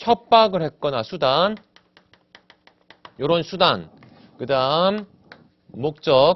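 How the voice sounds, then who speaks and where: A man at a fairly high pitch, very slow in pace, with lively intonation and long, frequent pauses. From Gyeongsang Province, South Korea. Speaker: exam prep lecturer. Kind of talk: lecture.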